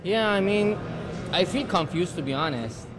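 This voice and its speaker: A man's voice: sits high, expressive, normal speed, over music. A man speaking hesitantly and with lots of filler words about feeling torn. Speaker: sports fan.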